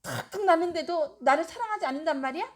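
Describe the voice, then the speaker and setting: A woman's voice: extremely high pitch, lively intonation, fast. A woman pastor voicing a jealous rival wife who taunts a childless woman in a sermon retelling. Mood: taunting. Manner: scornful, mocking.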